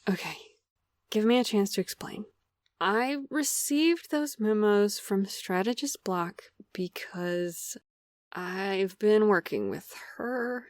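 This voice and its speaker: An actress playing a guarded perfectionist young office worker in an audio drama, measured, articulate and earnest. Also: female voice, medium pitch, a little mellow, dry recording, clean studio sound, lightly acted. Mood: pleading, confessional.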